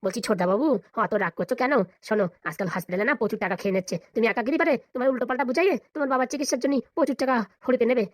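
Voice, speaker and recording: Someone voicing a fawning, fast-talking Bengali cartoon assistant. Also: medium pitch, no echo, clean studio sound. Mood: wheedling. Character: fawning, sly servant-assistant to a politician's family. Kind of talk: Bengali comedy cartoon voice acting.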